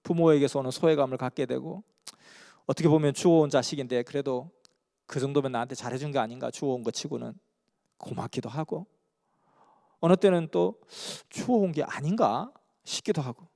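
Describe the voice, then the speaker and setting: A man's voice: fairly high pitch, brisk, vocal fry, dark tone. A man from Busan, earnestly telling a story in a sermon. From Busan, South Korea. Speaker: preacher. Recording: long hall reverb.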